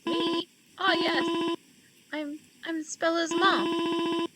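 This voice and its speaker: A woman voicing a slow, grieving old mother. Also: very high-pitched, flat delivery, voice pushed up, heavily acted. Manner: slow, tearful, gentle. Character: grieving elderly mother at her daughter's funeral. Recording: loud background noise.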